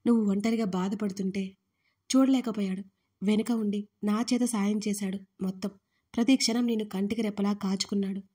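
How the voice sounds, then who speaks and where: A woman voicing a worried, fatherly older man who speaks softly and pleads affectionately in an audio story. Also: mid-range voice, fairly even intonation, a little fast, breathy edge, natural voice. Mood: gentle.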